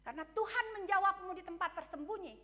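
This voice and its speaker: A woman's voice: very high-pitched, fast, bright, forceful tone. A woman pastor preaching a sermon in a candid, conversational way, often asking the congregation questions. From Indonesia. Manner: asks the congregation questions, frequent "ya" and "betul?"; candid and conversational, shares personal stories.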